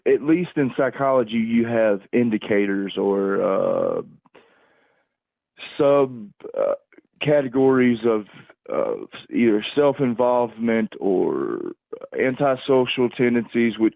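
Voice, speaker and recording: A man's voice: mid-range voice, expressive, creaky, no echo. Man on a tinny phone line, rambling. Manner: halting, repetitive, searching for words. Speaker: call-in caller on a livestream. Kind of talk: casual rambling commentary. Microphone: phone call. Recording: tinny, narrow phone-call line, dry.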